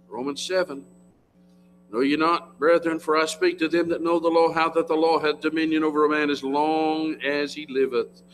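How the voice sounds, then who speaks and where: An American man in his seventies preaching a sermon to a congregation in a folksy, plain-spoken, emphatic way, often putting questions to his listeners. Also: fairly high pitch. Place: church, in front of a congregation.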